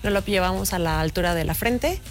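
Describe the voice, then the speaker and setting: A woman, an interview guest, explaining and telling stories from her childhood in a warm conversational way. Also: lowish voice, brisk, soft background music. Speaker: sign language interpreter guest.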